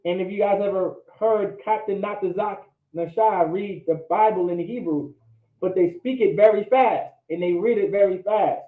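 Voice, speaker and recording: A man's voice: sits high, normal speed. A man teaching a language class, often checking in with "all right?" and pressing his points. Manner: repeats "all right?" to check understanding, emphatic. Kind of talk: classroom lecture. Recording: echoey room, phone-like audio.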